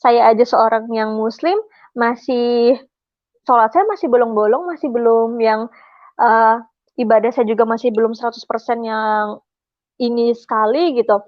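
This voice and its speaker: Young woman, higher voice, halting emotional testimony with pauses, dull lo-fi dry recording. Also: fairly even intonation, dry recording. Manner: halting, many pauses and fillers, emotional retelling. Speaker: convert giving a testimony. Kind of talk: personal testimony, casual retelling.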